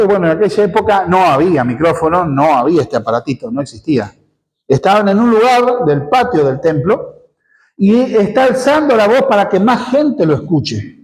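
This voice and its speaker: In a poorly recorded church sermon, a man with a high, somewhat dark voice works through scripture expositorily. He's a pastor with a Rioplatense Argentine Spanish accent who keeps asking rhetorical questions while explaining.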